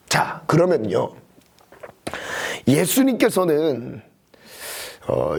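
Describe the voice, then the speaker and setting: A man preaching a sermon as pastor, reading scripture aloud and retelling it with lively emphasis. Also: creaky, breathy edge. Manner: animated preaching with scripture reading, pitch swinging high and low.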